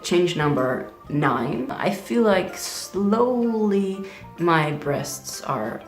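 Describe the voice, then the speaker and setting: A man's voice: high-pitched, expressive, extremely slow, echoey room, faint music behind. A young trans man talking candidly in a casual video diary, chatty and full of "like" fillers. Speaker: vlogger.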